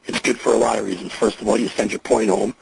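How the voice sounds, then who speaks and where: A man on a recorded jail payphone call, coaching and reassuring the caller in a profane, steady way. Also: lowish voice, fast, vocal fry, slightly rough, rough recording. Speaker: agent on a phone call.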